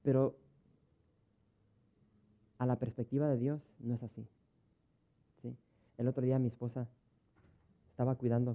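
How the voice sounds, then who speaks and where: Direction: a man preaching in an easy, conversational way, acting out the people in his stories at a mid-range pitch. The sound comes through thin and tinny, like a phone line. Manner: conversational, storytelling, acts out dialogue. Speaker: pastor. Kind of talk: sermon with personal anecdotes. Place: church.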